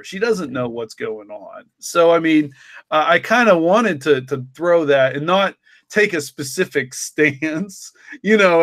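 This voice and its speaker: A man with a slightly high voice talks casually on a podcast. He explains his thinking in a loose, rambling flow peppered with "you know," and the sound is dry and close. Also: a bit bright, no room sound. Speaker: story writer and podcast co-creator.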